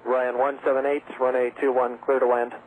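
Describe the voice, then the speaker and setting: A man's voice: mid-range voice, flat delivery, brisk, low-quality recording. A man giving clipped instructions over radio as an air traffic controller.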